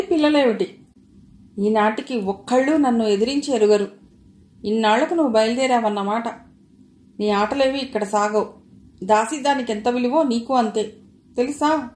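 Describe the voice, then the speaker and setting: Lady doing a shrill bossy mother-in-law, all sneers and scolding, echoey room. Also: steady tone, moderate pace, natural voice. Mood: scornful, angry. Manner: scolding, contemptuous, shouting. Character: domineering harsh older mother-in-law.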